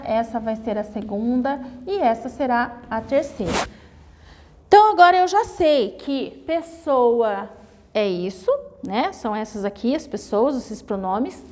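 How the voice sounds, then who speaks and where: A woman's voice: on the high side, a little mellow, long reverb tail. A Brazilian woman teaching a grammar lesson, explaining step by step and often checking in with her students. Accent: Brazilian Portuguese. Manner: explains slowly, repeating and checking with "né?" and "tá?". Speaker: Portuguese teacher.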